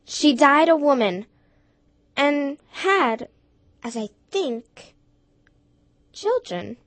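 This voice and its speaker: A woman voicing a gentle, solemn ghostly spirit who speaks in a measured way. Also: sits high, big pitch swings, no room sound, voice pushed up, full character voice. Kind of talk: storybook reading.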